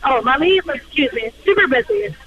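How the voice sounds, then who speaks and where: A woman heard over the phone, talking loudly and yelling into the receiver as she answers the line. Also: high voice, expressive, moderate pace, muffled recording, slight background noise.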